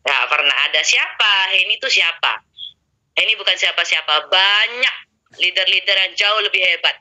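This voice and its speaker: A middle-aged woman telling a casual testimony about her work as an insurance agent, animated and acting out the dialogue she quotes. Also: mid-range voice, moderate pace, rough recording. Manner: animated, acts out quoted dialogue, addresses listeners directly.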